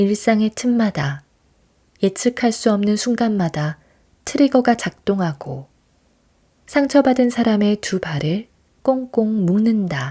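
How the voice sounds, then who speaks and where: A woman's somewhat breathy, fairly high voice with a dark, mellow tone and a calm, soothing tone, lively intonation, a very slow pace and long, frequent pauses. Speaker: audiobook reader. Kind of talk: essay reading for sleep.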